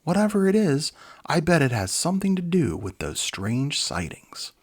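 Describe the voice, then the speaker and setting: A man's voice: fairly high pitch, sing-song, normal speed, voice pushed up. A man voicing an earnest doctor hero in a children's storybook, speaking with emphatic certainty. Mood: urgent, certain.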